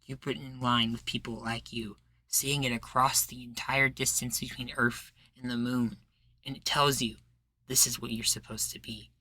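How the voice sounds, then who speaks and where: A man's voice: medium pitch, level tone, normal speed, bright, forceful tone, no echo, rough recording. A man playing an earnest, persuasive rebel leader in a roleplay, making speeches with a folksy turn of phrase. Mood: urgent, coaxing. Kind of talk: roleplay ASMR acting.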